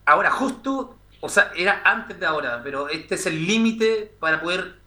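Heated high-voiced man in a roomy space. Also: expressive, normal speed, bright, forceful tone. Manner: heated, complaining. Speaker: panelist. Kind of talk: sports talk debate. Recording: roomy sound with faint noise.

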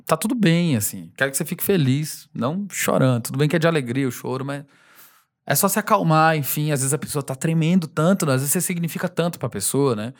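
A male singer being interviewed, talking in a relaxed, rambling way, laughing often and acting out fans' voices. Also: on the high side, fast. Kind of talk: casual interview conversation.

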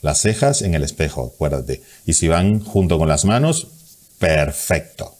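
A man coaching viewers on speaking clearly, lively, stressing consonants and sometimes slowing to demonstrate. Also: extremely low pitch. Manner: energetic, acts out examples with hands. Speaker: communication coach. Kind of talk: tips video to camera.

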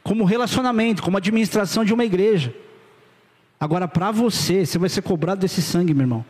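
A man's voice: high voice, fast, darkish tone, in a large hall. A middle-aged man with a Brazilian Portuguese accent preaching a sermon to his congregation, urgent and direct, with casual slang. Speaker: pastor. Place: church hall.

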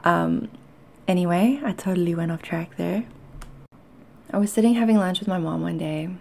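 A woman's voice: lowish voice, normal speed, gravelly, darkish tone, slight background noise. A woman with a mixed South African and Canadian accent, talking candidly and conversationally to listeners as a podcast host, hesitating as she goes. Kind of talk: personal confessional talk to listeners.

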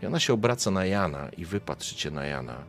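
A man's voice: low-pitched, expressive, fast talker, faint music behind. A young man acting as game master, narrating a tabletop game with vivid, dramatic scene descriptions.

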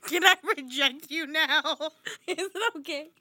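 A woman hosts a casual reaction video, chuckling and teasing as she comments. Her voice is bright and a touch high. The sound is close and dry, with no room behind it. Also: measured pace, dry recording. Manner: laughing, teasing.

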